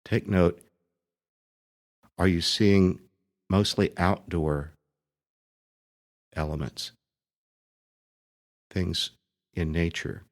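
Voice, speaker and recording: A man speaking as a priest leading a guided meditation, gently and deliberately, pausing between short phrases. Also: sits low, fairly even intonation.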